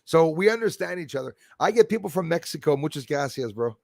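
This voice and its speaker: A man's voice: on the high side, expressive, quick pace, vocal fry, dry recording, clean studio sound. A man hosting a livestream, talking casually to his chat in a meandering way, repeating himself and chuckling between thoughts. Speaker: livestream host reading chat. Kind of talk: rambling casual livestream talk.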